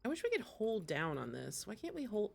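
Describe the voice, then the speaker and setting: A woman's voice: medium pitch, huge pitch swings, fairly quick, gravelly, husky. A woman livestreaming video games, chatting casually and poking fun at herself. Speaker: game livestreamer. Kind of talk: casual gaming stream chat. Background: game music.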